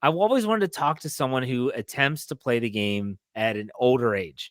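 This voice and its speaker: A man with a normal speaking voice talks at a medium pitch and a moderate pace, his intonation lively and the sound dry and close with no echo. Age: 40s. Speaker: podcast host. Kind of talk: interview.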